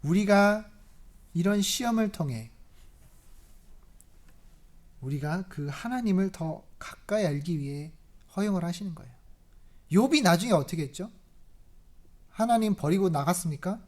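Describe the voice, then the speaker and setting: A preacher giving a sermon, emphatic and lively, constantly asking the congregation questions. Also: medium pitch, normal speed, long pauses. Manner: asks the congregation many rhetorical questions; lively, emphatic, rises in volume on key points.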